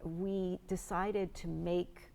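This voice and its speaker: A woman's voice: lowish voice, flat delivery, drawn-out words, creaky, warm tone. A woman filmmaker from the United States, answering interview questions in a reflective way with many fillers and restarts. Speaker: filmmaker guest.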